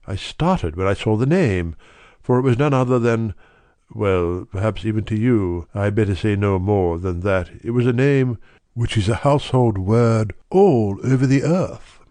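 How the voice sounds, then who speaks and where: A man's voice: lowish voice, measured pace, dark tone, no room sound. A man voicing a distraught, dignified middle-aged banker pleading his case earnestly. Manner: agitated, earnest, breathless pleading.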